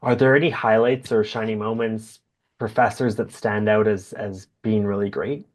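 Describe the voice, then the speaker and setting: A man's voice: on the low side, fairly even intonation, moderate pace. Young man hosting a webcam interview. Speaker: host. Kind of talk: video call interview. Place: home office. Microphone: video call webcam.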